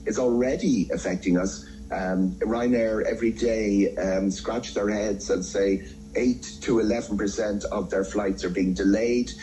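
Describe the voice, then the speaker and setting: An Irish man giving unscripted expert commentary in a radio interview, in a halting, stop-start way with repeated words. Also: lowish voice, fairly even intonation, warm tone, faint music behind, poor audio. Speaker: travel editor, studio pundit.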